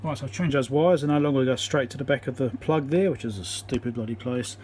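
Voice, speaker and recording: A man's voice: mid-range voice, fast talker, a little mellow. Man, repair presenter, casual workbench talk, lots of ums, noisy room. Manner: thinks aloud with many ums, counts into the mic. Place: home workbench indoors.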